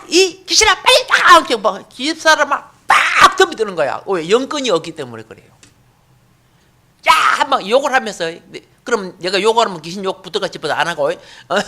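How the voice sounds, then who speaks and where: An older male pastor delivering a sermon, animated and constantly drawing the congregation in with call-and-response prompts. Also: sits high, fast talker, hardly any pauses.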